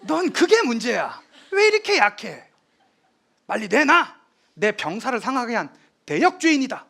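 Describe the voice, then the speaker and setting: A man's voice: very high-pitched, sing-song, moderate pace, vocal fry, pitched above the performer's own voice, exaggerated voice. A man voicing a stern, domineering older king who barks commands and mocks. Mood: commanding. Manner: loud, commanding, scornful. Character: stern domineering old king, a forceful father.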